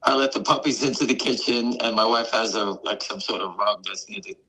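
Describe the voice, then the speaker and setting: A man with a voice hoarse from weeks of coughing, chatting in a rambling way as a guest on a live stream. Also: on the low side, fairly quick, bright, forceful tone, poor audio. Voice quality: gravelly, raspy. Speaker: guest on a stock market stream. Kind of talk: casual chat.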